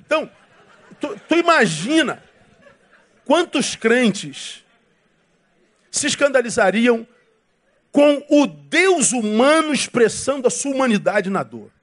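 Speaking with a Brazilian Portuguese accent, a male pastor with a high voice delivers a lively sermon. He acts out quoted voices with humor.

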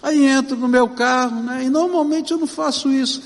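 A middle-aged man with a Brazilian Portuguese accent preaches a sermon in a high voice. He leans into key words and stretches them out slowly for emphasis. His voice carries a long reverb from a large church sanctuary. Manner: emphatic preaching with slow, drawn-out stresses. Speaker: pastor.

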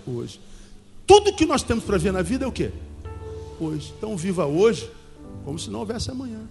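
A middle-aged man preaching a sermon, lively and humorous, mimicking the people he talks about. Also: sits high, fairly quick, gravelly, long reverb tail, soft background music. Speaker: pastor.

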